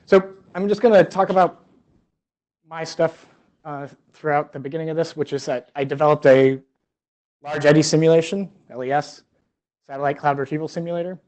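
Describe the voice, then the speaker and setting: A man's voice: on the high side, fairly quick, darkish tone. Man giving an informal science seminar talk. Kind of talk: informal academic seminar presentation.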